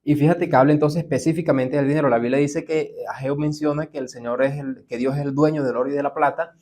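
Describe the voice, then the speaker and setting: A middle-aged Venezuelan man, a church treasurer and podcast guest, talking in an unhurried, reflective way with frequent fillers and tag questions. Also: on the high side, fairly even intonation, a little mellow. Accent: Venezuelan Spanish. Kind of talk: relaxed podcast interview.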